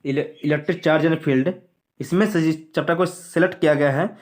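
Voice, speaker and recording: A man's voice: a little high, fairly even intonation, fast talker. A man going through a school syllabus on screen, repeating what to study and what to skip in a plain explanatory way. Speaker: teacher.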